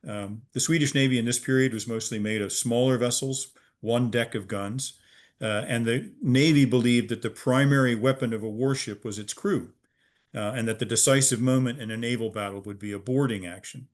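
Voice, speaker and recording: A middle-aged American man from Virginia, a museum's head of research, explaining history as an interview guest over a video call, measured and pausing often with "uh". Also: mid-range voice. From Virginia, USA. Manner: measured, with frequent "uh" pauses.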